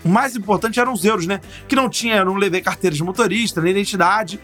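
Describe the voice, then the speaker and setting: A man telling a travel story in casual chat, swearing often and bursting into shouted voices. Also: high-pitched, fast talker, over music.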